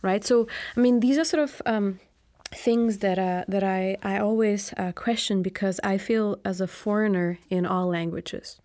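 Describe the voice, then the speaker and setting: A woman's voice: medium pitch, moderate pace, mellow, no echo, studio quality. A young adult woman whose first language is Lithuanian, giving a thoughtful interview answer full of ums and tag questions. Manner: thoughtful, many ums and uhs, often adds "right?". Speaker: interview guest. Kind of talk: reflective conversational answer.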